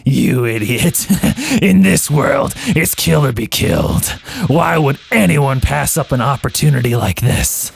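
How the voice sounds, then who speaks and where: A man's voice: mid-range voice, lively intonation, measured pace, vocal fry, husky, heavily acted. A man voicing a fake-friendly, sinister little game creature with a wheedling, taunting manner. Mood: menacing. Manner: wheedling, taunting, mock-sweet. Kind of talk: game dialogue read-along.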